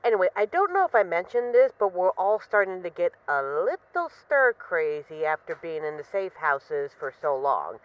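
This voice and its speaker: A woman acts out a female crime boss with a lively, swooping delivery. She is wry and boastful, teasing her partner fondly as in an intimate audio roleplay, and the sound is slightly dull. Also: fairly low pitch, moderate pace, hardly any pauses. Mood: wry, bored. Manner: wry, boastful, teasing, mock-indignant, swearing casually. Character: witty, self-assured female mafia boss, bored, affectionately teasing her partner.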